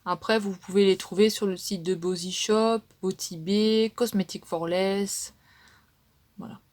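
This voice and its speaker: A woman's voice: medium pitch, steady tone, a little slow, darkish tone. A woman beauty vlogger casually showing her makeup palettes, chatty and hesitant, with frequent fillers and trailing tags.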